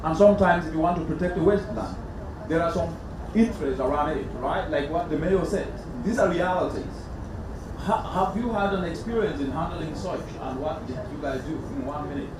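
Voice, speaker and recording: A man's voice: fairly high pitch, a little fast. Emphatic man moderating in an echoey hall. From Cameroon. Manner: probing, emphatic questioning. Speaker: panel moderator. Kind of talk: moderating a panel discussion. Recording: echoey hall, distant mic, noisy.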